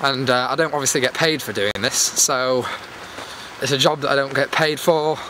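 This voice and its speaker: A man's voice: medium pitch, moderate pace, pushed and bright, rough recording. A man chatting casually to his viewers in a rambling, self-deprecating vlog, talking into a handheld camera as he walks outdoors. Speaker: YouTube host. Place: outdoors, walking in a public area. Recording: clear outdoor background noise while walking.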